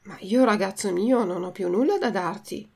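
A woman voicing a calm, kindly old man who patiently lectures a child in a storybook reading. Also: mid-range voice, moderate pace, creaky, husky. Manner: calm and admonishing.

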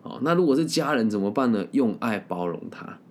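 A man, a career-planning coach, telling a story in a casual monologue. He talks bluntly and candidly and often ends sentences with drawn-out particles. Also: medium pitch, expressive.

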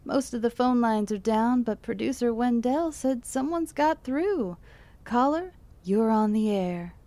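Woman playing a wry late-night radio DJ. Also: a little high. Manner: measured, wry, steady on-air delivery. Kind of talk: radio drama acting.

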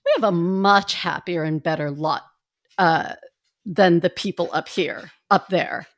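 A woman voicing an ancient, wise grandmother from the sea in a fairy tale read aloud, speaking slowly and solemnly with a lilting old-lady voice. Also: lowish voice, no room sound, clean studio sound, voice pushed down. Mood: soothing. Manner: slow, lilting, solemn storybook delivery.

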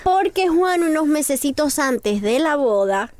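A woman with a high voice tells her own stories in an animated way as a guest. Her voice sounds close and dry. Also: unhurried, no echo. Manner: animated storytelling. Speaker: guest, married. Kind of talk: casual chat.

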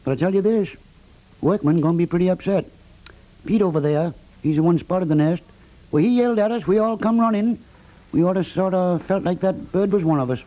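Laconic, sentimental American contractor played by a male actor, high-pitched and mellow, folksy 1950s radio comedy. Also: brisk, lightly acted, low-quality recording. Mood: mournful. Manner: laconic, folksy, drops words, guilt-tripping. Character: stolid, folksy building contractor, sentimental about birds.

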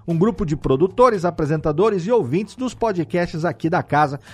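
A man with a Brazilian Portuguese accent hosting a podcast in a lively, joking casual chat. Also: a little high. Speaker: podcast host.

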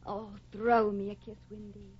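An actress playing a melodramatic, flirtatious Hollywood movie star who declaims theatrically in a 1950s radio comedy. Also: female voice, medium pitch, little pitch movement, moderate pace, lightly acted. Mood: romantic, gushing. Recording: dull, faintly noisy old radio recording.

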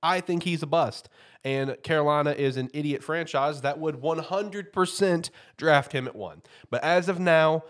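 A man's voice: a little high, normal speed, a bit bright. A man hosting a casual sports podcast, talking loosely with lots of fillers and frequent laughs. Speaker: podcast host.

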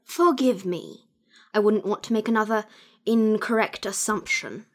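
An actress playing a prim, condescending, reclusive woman in an audio drama, formal, haughty and deadpan. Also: mid-range voice, measured pace, lightly acted. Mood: icy, condescending. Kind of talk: audio drama acting, dry formal speech.

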